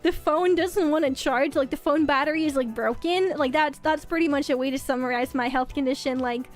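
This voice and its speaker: Young woman streamer, high voice, casual rambling chat, soft music underneath. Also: brisk. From Norway. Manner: rambling, restarts and repeats words.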